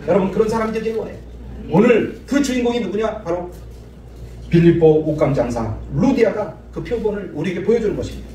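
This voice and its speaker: High-voiced Korean pastor in an echoey sanctuary. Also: male voice, animated, quick pace, warm tone. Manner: folksy storytelling, acts out dialogue, repeats phrases. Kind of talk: sermon with storytelling. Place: church sanctuary. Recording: echoey hall from far off, faint noise.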